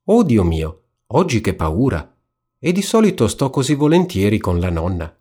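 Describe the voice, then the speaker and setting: A man voicing an innocent little girl in a red hood in a spoken storybook, high and wide-eyed. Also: big pitch swings, normal speed, warm tone, breathy edge. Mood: frightened.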